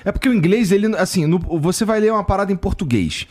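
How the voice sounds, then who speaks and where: A man hosting a casual podcast chat, relaxed and cutting in with quick questions. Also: high voice. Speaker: podcast host.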